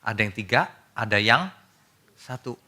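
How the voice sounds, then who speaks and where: Addressing his congregation directly, a man preaches casually as their pastor, alternating loud emphatic outbursts with hushed asides. He speaks at a normal speed in a fairly low pitch.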